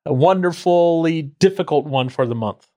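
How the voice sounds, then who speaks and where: A man's voice: fairly high pitch, moderate pace, dark tone. A man hosting a casual podcast, chatty and often laughing as he explains the game. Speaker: podcast host.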